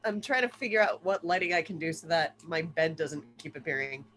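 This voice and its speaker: A woman chatting casually and excitedly with friends on a video call at home, exclamatory and free with swearing. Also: low voice, fairly quick. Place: indoors at home, in a bedroom. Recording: noisy video call audio.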